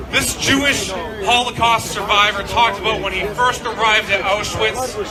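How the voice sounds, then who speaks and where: A man with a high-pitched voice talks at a moderate pace with ordinary pitch variation, crowd noise behind him and audible room echo. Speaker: rally speaker. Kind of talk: rally speech. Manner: stuttering at times.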